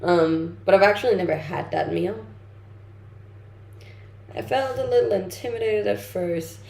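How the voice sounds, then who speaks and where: A woman's voice: mid-range voice, measured pace, creaky, a little mellow. A young woman from Denmark, a native Danish speaker, chatting informally on a livestream as she reads and answers viewer comments. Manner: informal, conversational. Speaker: livestream host, content creator. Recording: roomy echo, faint background noise.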